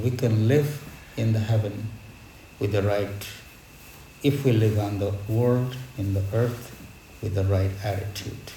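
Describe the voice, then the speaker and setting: Slow, reverent man preaching in an echoey space. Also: lowish voice, mellow. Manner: reverent, measured, reflective, with deliberate pauses. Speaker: spiritual teacher leading a devotional gathering. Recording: echoey space with background noise.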